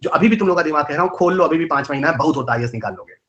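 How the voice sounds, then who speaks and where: A man's voice: fairly high pitch, a bit bright, lo-fi sound. A man with a rural north Indian Hindi accent, teaching a live online exam-prep lecture, firing rhetorical questions and scolding his students. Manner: rapid colloquial Hindi mixed with English terms.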